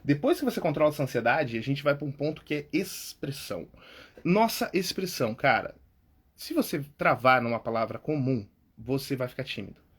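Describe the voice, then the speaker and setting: A husky, medium-pitched male voice with lively intonation moves at a fairly quick clip. The speaker, a Brazilian public speaking coach and podcast host with a Brazilian Portuguese accent, gives casual tips and often checks in with "tá?" and "cara."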